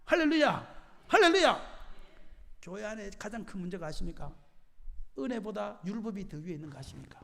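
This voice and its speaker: A man's voice: sits high, quick pace, vocal fry. A male pastor preaching at a night prayer meeting, joking and firing questions at the congregation. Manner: animated, jokes, quizzes the congregation with questions. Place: church sanctuary. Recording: long hall reverb of a church.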